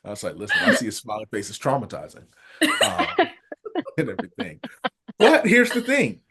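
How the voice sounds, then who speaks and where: A man hosting a podcast interview, telling stories in a lively, laughing way. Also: medium pitch, normal speed. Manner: animated, laughing storyteller. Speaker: podcast host. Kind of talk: casual interview chat.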